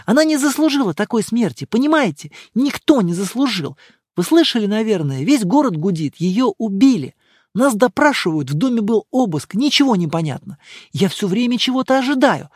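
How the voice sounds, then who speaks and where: A man's voice: sits high, very animated, normal speed, husky, dry recording, clean studio sound, pitched above the performer's own voice, exaggerated voice. A man reading the part of a reserved, lonely woman secretary in her thirties, speaking in short clipped phrases. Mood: upset. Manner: clipped, terse listing of facts. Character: reserved 36-year-old female secretary, stiff and lonely.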